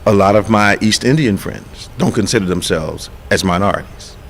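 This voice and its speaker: A man who pastors a church and hosts a radio talk show, speaking emphatically, restarting words as he builds to sharp indignant peaks. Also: fairly low pitch, normal speed, creaky, a little hiss or hum. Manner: repeats and restarts words while building a point.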